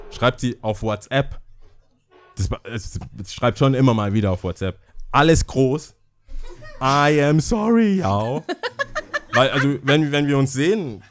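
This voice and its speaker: A man's voice: medium pitch, normal speed, a little hiss or hum. A young man, native Twi speaker from Ghana with a slight Ghanaian accent, telling a story in a casual chat, acting out the voices of others and laughing often.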